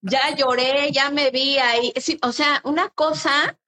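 A woman's voice: high voice, steady tone, measured pace, bright, forceful tone. A woman co-hosting a casual Bible discussion, often affirming and reading scripture aloud. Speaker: co-host of a Bible talk show.

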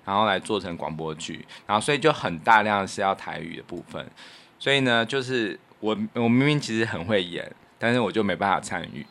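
A man's voice: on the low side, a little fast. A man with a Taiwanese Mandarin accent chatting casually and jokingly as a podcast co-host. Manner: animated, joking, teasing. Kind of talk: casual bantering couple chat.

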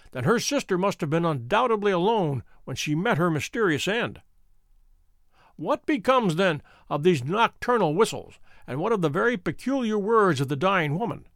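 A man voicing a calm, imperturbable detective who speaks with dry wit. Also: sits high, dry recording. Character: cool, witty adult male detective, calm and bland.

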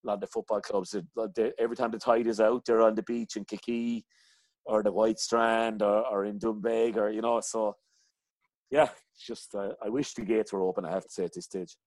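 A middle-aged man from County Clare speaks with a west of Ireland accent. His voice sits on the low side, recorded dry with little room sound. He chats casually and colloquially, wandering through his anecdotes. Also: fairly even intonation, a little fast, a little mellow, no room sound. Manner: colloquial, rambling storytelling. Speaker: interview guest, hurling coach.

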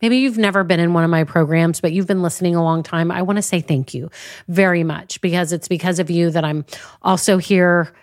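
A woman's voice: lowish voice, fairly even intonation, fairly quick, no room sound, clean studio sound. A middle-aged woman, hosting a solo business podcast with a stuffy, nasal voice and an upbeat, chatty manner. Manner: upbeat, chatty, lots of y'all. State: stuffy nose. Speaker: podcast host and business coach.

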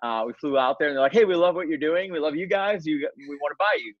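A man from Bangladesh raised in New York, a guest entrepreneur telling his stories in an energetic, self-deprecating way. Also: fairly high pitch, fast, dry recording, highs cut off. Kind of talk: casual interview storytelling.

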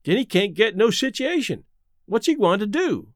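A man's voice: sits high, sing-song, moderate pace, no echo, clean studio sound. A man voicing a stubborn, indignant, unschooled Southern American man with folksy dialect in an audiobook. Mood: curious, sympathetic. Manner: folksy dialect, emphatic argumentative questioning. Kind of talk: audiobook character voice.

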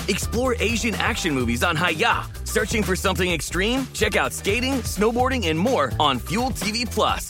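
A man reading an upbeat scripted promo as an advertisement announcer. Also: sits high. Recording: music bed under voice.

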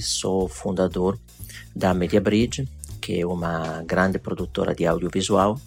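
A man with an Italian accent giving a formal, measured prepared commentary as a guest producer. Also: deep voice. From Italy. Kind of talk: prepared spoken commentary in Portuguese.

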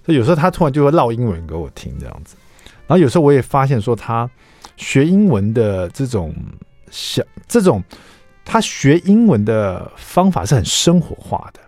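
A man's voice: medium pitch, big pitch swings, moderate pace, darkish tone, no room sound, soft background music. A middle-aged man, a radio host telling family anecdotes in a chatty way and dropping in English words, on a close studio mic. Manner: chatty storyteller who drops English words into his speech.

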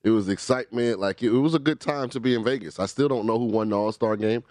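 A man's voice: on the low side, fast, a little mellow, dry recording, clean studio sound. An easygoing man chatting on a sports talk panel, filling his talk with "you know". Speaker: panel guest.

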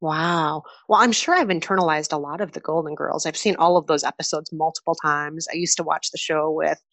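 A woman in her thirties from Minnesota with a Minnesota accent, answering interview questions in a chatty, animated way with frequent fillers and laughter. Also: low-pitched, fairly quick, no room sound. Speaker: podcast host, interviewee. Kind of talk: conversational interview.

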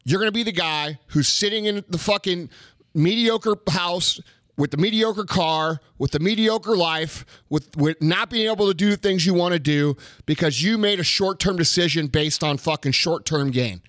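A man's voice: high-pitched, moderate pace, a bit bright, dry recording, clean studio sound. A man giving a blunt, profane motivational rant, hammering his points home with emphatic repetition. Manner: blunt, emphatic, heavy swearing. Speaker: motivational speaker.

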